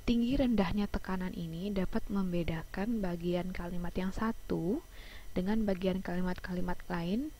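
A woman teacher with an Indonesian accent giving an online class over a video call, explaining slowly with many fillers and restarts. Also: lowish voice, dark tone, slight background noise, rough recording. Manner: hesitant explaining, frequent fillers, self-corrections.

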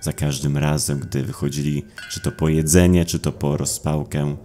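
A man narrating a dark audio drama in a brooding, dramatic way with deliberate pauses. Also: a bass voice, flat delivery, slight background noise. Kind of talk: dramatic scripted horror narration.

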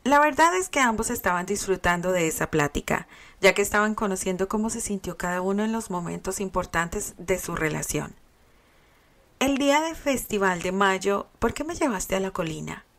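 A woman reading a fan-written love story aloud in a plain, steady way. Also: mid-range voice, normal speed. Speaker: reader.

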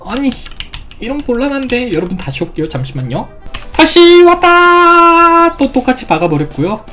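A woman's voice: medium pitch, very animated, quick pace, a little mellow, soft background music. A woman commenting playfully on a game she is playing, with exclamations and silly sound effects. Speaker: gaming YouTuber. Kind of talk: game let's play commentary.

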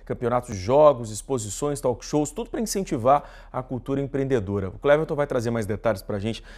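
A man in his thirties, a news anchor, presenting in a TV studio with measured scripted delivery. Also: medium pitch, lively intonation, a little mellow.

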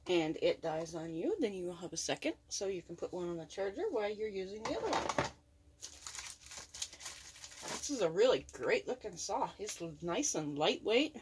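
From behind the camera in her home workshop, a medium-pitched woman gives a chatty, upbeat unboxing review of a tool, praising it again and again. The background is noisy.

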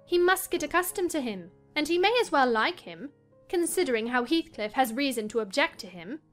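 Spoiled, excitable young lady of a classic novel, played by a woman; high voice, emphatic, music underneath. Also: brisk. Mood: insistent. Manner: emphatic, self-assured. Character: willful, spoiled, excitable young gentlewoman, married. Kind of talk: dramatized audiobook reading of a classic novel.

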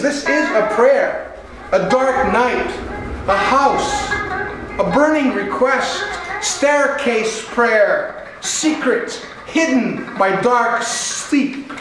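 Slow, high-pitched man reciting poetry, echoing. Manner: deliberate, incantatory, with repeated stuttered phrases. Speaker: poet reading his own work. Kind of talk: dramatic performance poetry reading. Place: small indoor art gallery before an audience. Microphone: distant camera. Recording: echoey gallery room, guitar behind. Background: electric guitar with effects.

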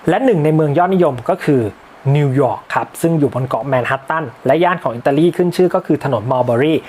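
A man narrating a history lesson in a relaxed, polite way, with the odd filler and slip. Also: on the high side, fast, slightly rough. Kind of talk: informal history lecture.

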